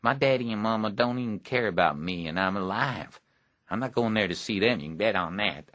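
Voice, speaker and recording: A man's voice: lowish voice, fairly quick, fairly bright tone, no room sound, lightly acted. A man voicing a neglected, bitter rural teenage boy with a blunt, grim drawl.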